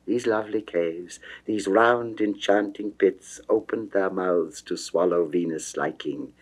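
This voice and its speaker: A man's voice: sits low, unhurried. A man narrating classical poetry as a dramatic reading, declamatory and theatrical, with precise phrasing. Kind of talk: dramatic classical verse recitation.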